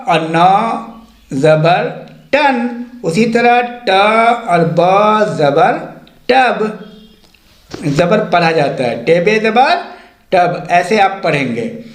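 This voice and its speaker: A male teacher walks learners through a lesson. His voice sits high and rises and falls a lot, and he spells out each letter slowly and patiently. The sound is echoey, as in a bare room. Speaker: Urdu teacher. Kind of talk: step-by-step language lesson.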